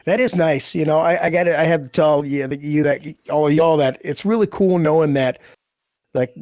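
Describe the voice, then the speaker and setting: A man's voice: fairly high pitch, moderate pace, darkish tone, dry recording, studio quality. A man talking in an enthusiastic, informal and effusive way, as one of a podcast team chatting casually. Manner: effusive, informal, full of praise. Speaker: podcast team member and story creator.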